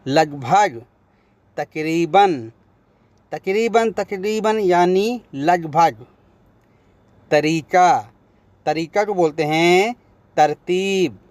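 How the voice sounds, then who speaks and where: A man's voice: sits high, extremely slow, long pauses, darkish tone, dry recording. A man teaching vocabulary, repeating each word and then giving its meaning. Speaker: language teacher. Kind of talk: vocabulary lesson.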